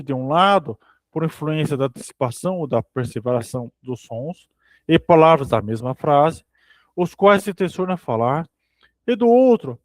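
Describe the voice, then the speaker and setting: A man reads a dense book aloud for a study group. His voice sits fairly high, and he keeps a steady pace but sometimes trips and goes back over a phrase. The recording is dry and close, with no room sound. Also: no echo. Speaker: reader in a philosophy study group.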